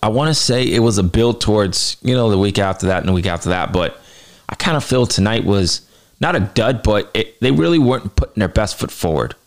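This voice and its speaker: A man's voice: fairly low pitch, expressive, a little fast. A man recapping wrestling as a commentator and reviewer, speaking conversationally and mixing match description with his own opinions. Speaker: wrestling show reviewer and host.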